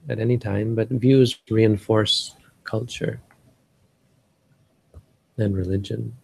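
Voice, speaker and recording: A man's voice: fairly low pitch, steady tone, slow, creaky, breathy edge, poor audio. A Canadian man giving a rambling casual talk on a live stream, often restarting and searching for words. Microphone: live stream setup.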